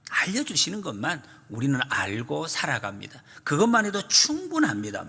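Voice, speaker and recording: Male pastor, sermon, high lively pitch, long church reverb. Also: breathy edge. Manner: emphatic, repeats key phrases, shifts between loud and soft. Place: church sanctuary.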